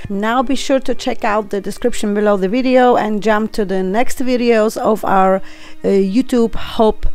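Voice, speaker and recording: Over music in the background, a woman with a Polish accent speaks slowly-ish, at a fairly slow pace, her fairly high voice keeping fairly even intonation. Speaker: scrapbooking youtuber. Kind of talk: craft tutorial. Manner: hesitant, with filler sounds.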